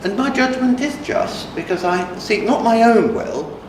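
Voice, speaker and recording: Jesus as a grave, commanding man, voiced by a reciter, preaching in slow, solemn, emphatic phrases. His voice sits high for a man and swoops widely between rising pleas and sinking warnings. He is heard from far off in a very echoey conference hall, with steady noise underneath. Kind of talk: dramatic scripture recitation.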